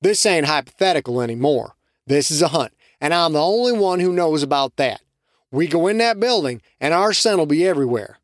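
A cold, authoritative cowboy hunter who lays out a plan with calm command, as a narrator puts him on. The voice stays near the narrator's own, lively in pitch, recorded close and dry. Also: male voice, fairly quick, no echo, lightly acted. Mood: planning.

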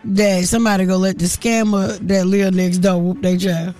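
A woman's voice: medium pitch, little pitch movement, normal speed, dark tone, soft background music. A woman co-hosting a morning radio show, talking casually and frankly.

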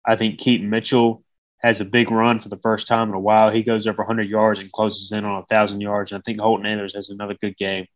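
A man's voice: on the low side, level tone, fast, no room sound, rough recording. A man with a slightly nasal voice hosting a sports podcast, talking casually through his opinions and game predictions. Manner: conversational, gives opinions and predictions. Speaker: podcast host.

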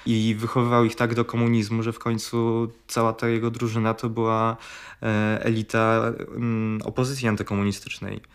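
Man, low voice, smooth, even intonation, reflective commentary. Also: normal speed.

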